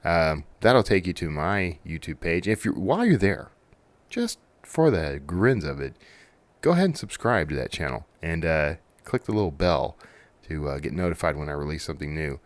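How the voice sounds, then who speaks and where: Guy chatting on his podcast, low voice but really up and down, conversational, kinda rambly, very dry recording. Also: animated, moderate pace, no room sound. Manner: rambling, conversational, self-interrupting. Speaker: podcast host. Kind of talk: casual solo podcast chat.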